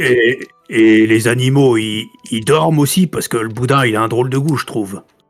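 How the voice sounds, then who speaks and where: A man uses a put-on character voice at medium pitch and a moderate pace, with faint music in the background. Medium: actual play. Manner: blunt, simple.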